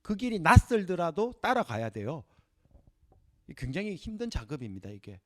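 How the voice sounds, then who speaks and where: A middle-aged man giving a Bible seminar lecture, animated and acting out scenes for his class. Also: on the high side, moderate pace.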